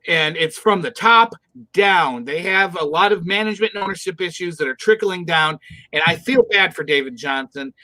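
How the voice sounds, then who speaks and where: A man's voice: on the high side, pushed and bright, dry recording, low-quality recording. A middle-aged man from Michigan, co-hosting a casual football picks show and ranting bluntly about teams. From Michigan, USA. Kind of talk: casual sports chat.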